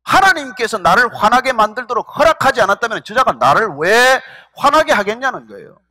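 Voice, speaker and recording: A middle-aged male pastor giving a sermon, telling a story with animated quoted speech. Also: extremely high pitch, fairly quick, no echo, studio quality.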